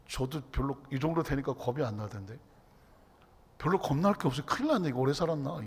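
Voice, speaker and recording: Animated, gravelly-voiced pastor in a church hall. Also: male voice, medium pitch, quick pace. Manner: swings between loud emphatic exclaiming and hushed near-whispers; asks the congregation rhetorical questions. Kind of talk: Friday night worship sermon. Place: large church sanctuary.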